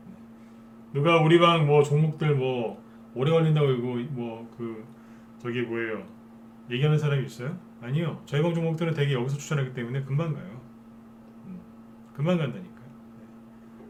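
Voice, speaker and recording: A man's voice: medium pitch, a little mellow, slight background noise. Persuasive male stock lecturer. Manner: persuasive, keeps asking listeners to agree. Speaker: stock market broadcaster. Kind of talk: live stock trading lecture.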